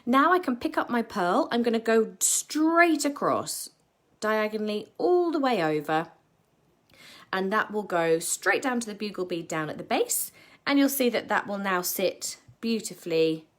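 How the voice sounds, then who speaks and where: A woman with a croaky voice teaching a live beading tutorial, chatty and full of ums and self-corrections, with a British English accent. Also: medium pitch, big pitch swings, measured pace.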